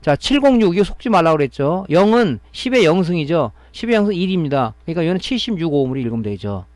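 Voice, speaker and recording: Male instructor, step-by-step technical lecture with frequent check-in questions, fairly high voice, dry close sound. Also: big pitch swings, fast talker, a little mellow, no echo. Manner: explaining step by step, often adding a tag question to check understanding. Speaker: electronics repair instructor. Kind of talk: classroom-style technical lecture.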